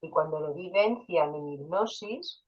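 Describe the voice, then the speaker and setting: Woman guest with a lowish voice, chatty storyteller who quotes dialogue. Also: animated, measured pace, slightly rough, lo-fi sound. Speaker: interview guest, hypnotherapist. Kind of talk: casual interview storytelling.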